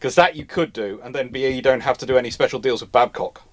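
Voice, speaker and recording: A man's voice: mid-range voice, fast. A man hosting a live history Q&A in casual expert discussion, often repeating and rephrasing himself as he goes. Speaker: host of a live naval history Q&A.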